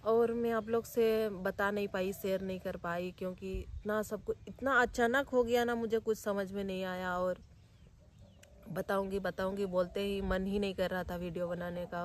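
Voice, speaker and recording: A young woman vlogger talking quietly and sadly, standing outdoors near family graves. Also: mid-range voice. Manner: subdued, grieving, speaks slowly and softly. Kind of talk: personal vlog talk.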